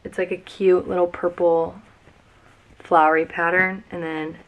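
Chatty young woman, low-ish voice. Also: flat delivery, unhurried, rough recording. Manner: chatty, gushing, lots of "like" and "freaking". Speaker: vlogger. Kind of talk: casual packing vlog. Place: cluttered bedroom, sitting on the floor.

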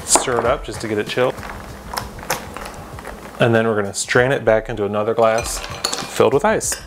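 A young man hosting a home cooking demonstration in his kitchen, talking straight to the viewer with deadpan joking asides. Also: mid-range voice, normal speed, background noise. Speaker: cooking show host.

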